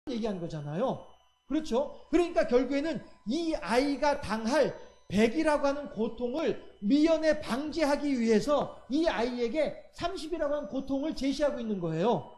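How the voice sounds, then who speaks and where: A man's voice: very high-pitched, expressive, moderate pace, darkish tone. A middle-aged man, a pastor preaching a sermon, acting out quoted voices and asking his listeners rhetorical questions. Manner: acts out quoted voices of God and children; asks the congregation rhetorical questions.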